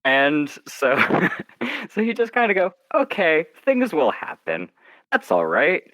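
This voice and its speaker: A man being interviewed as an author, chatting casually in a wry, self-deprecating way, haltingly and with little acted-out asides. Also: on the high side, wildly swooping pitch, bright, forceful tone, no room sound, rough recording.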